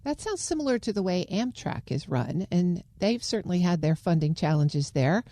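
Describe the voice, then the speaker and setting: Mellow-voiced American woman interviewer, closely miked. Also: fairly low pitch, big pitch swings, moderate pace, no room sound, studio quality. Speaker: radio interviewer and host. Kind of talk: news interview.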